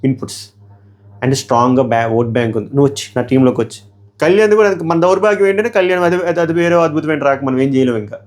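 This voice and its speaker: A hoarse young man giving a heated, argumentative review of a reality show episode and putting questions to his viewers. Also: fairly high pitch, lively intonation, fast talker.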